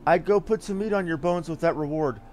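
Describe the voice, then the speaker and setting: A man's voice: a little high, fairly quick, darkish tone, close to an everyday voice. A man voicing a chatty, motherly fantasy quest giver from a video game, with folksy, teasing phrasing. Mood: wry, fussing. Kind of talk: reading game dialogue aloud in character.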